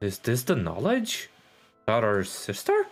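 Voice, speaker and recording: A man live-streaming a game, reacting casually and reading dialogue aloud in a halting, thinking-aloud way. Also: medium pitch, huge pitch swings, gravelly, soft background music.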